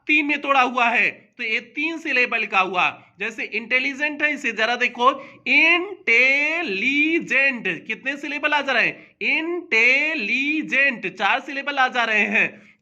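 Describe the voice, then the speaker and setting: A man teaching an English grammar lesson to students, asking questions and answering them himself in a coaxing way, slowing down to dictate example sentences. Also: very high-pitched, bright, forceful tone. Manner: coaxing, asks and answers his own questions.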